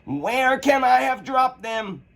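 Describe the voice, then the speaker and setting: A man's voice: very high-pitched, expressive, takes it slowly, gravelly, a bit bright, voice pushed up, exaggerated voice. A man voicing an anxious, bossy white rabbit who frets and hurries, in a storybook reading. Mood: panicked. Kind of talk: storybook character voice.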